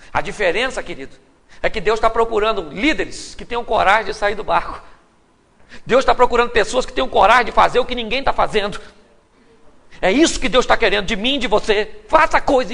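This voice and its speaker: Brazilian pastor, male, very high bright voice with gravelly edge, joking sermon style, echoing live hall. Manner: playful, joking storytelling with frequent laughter. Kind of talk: humorous sermon. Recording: reverberant live hall recording.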